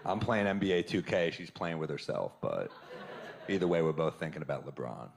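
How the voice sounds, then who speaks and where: Deep-voiced New comedian, lively delivery. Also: male voice, a little fast, gravelly, crowd noise. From New York. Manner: deadpan, self-deprecating storytelling. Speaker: stand-up comedian. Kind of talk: stand-up set. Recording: stand-up set with loud audience noise.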